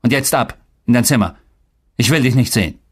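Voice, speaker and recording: A man's voice: medium pitch, lively intonation, takes it slowly. A man voicing a proud but strict father in an audiobook story. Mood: stern. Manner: commanding.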